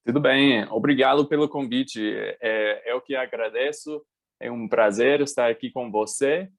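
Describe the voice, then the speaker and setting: Guest voice: American man, native English speaker, mid-pitched, halting second-language delivery. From United States. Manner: halting, restarts words while searching. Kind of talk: casual interview.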